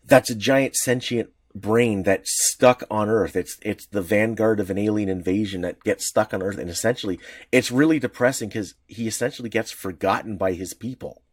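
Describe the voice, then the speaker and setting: A man's voice: on the low side, normal speed, hardly any pauses, slightly rough, dry recording, studio quality. A man co-hosting a podcast, explaining comics history in a rambling, enthusiastic way with many restarts. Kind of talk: casual podcast chat.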